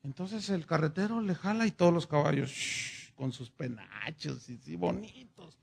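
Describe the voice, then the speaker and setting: Brief: pastor, lively sermon storyteller, high husky voice. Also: male voice, moderate pace. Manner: animated, chatty storyteller with fillers.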